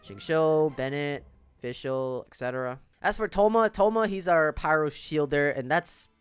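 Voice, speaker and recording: A man's voice: a little high, a little slow, smooth, dry recording. A man giving casual, informal commentary on a video game as a content creator, often stressing his words. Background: background music.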